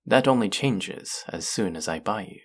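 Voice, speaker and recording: A performer playing a cruel alien collector in an audio drama, condescending and cooing with false kindness, slowly savoring the words. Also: low-pitched, expressive, slightly rough. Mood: menacing, rapturous. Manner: condescending, cooing, slow and savoring, often dropping to whispers. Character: cruel, covetous alien collector-artist feigning kindness to a captive. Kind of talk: dramatic second-person audio roleplay monologue.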